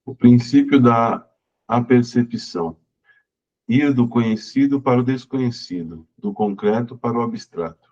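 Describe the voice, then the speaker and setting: Male student, mid pitch, slow measured read-aloud, dull muffled recording. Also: darkish tone. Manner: measured, list-like reading. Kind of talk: reading a text aloud.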